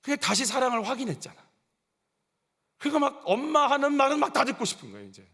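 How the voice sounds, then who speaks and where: A male pastor preaching a sermon in a church, animated and acting out scenes as he goes. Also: extremely high pitch, fast talker. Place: church sanctuary.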